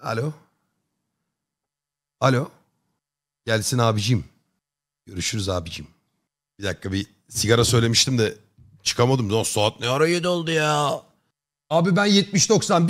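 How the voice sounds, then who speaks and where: Man, mid-pitched, casual joking streamer chat. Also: a little fast, long pauses. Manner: joking, rambling, chummy slang. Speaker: live streamer chatting with viewers.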